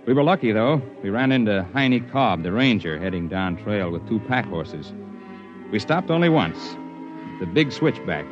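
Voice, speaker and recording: An actor narrating as a tough, plain-spoken mountain climber in a 1950s radio drama, on an old broadcast recording with faint music. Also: male voice, lowish voice, very animated, normal speed, dull audio. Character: tough mountain climber, grown man, dry humor. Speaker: narrator and lead.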